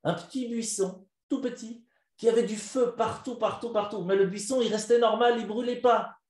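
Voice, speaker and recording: A man's voice: high-pitched, normal speed. Male rabbi teaching live, storytelling style, quizzes the class, tenor voice, echoey room. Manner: animated storytelling, quizzes listeners. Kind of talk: live Torah lesson told as a story.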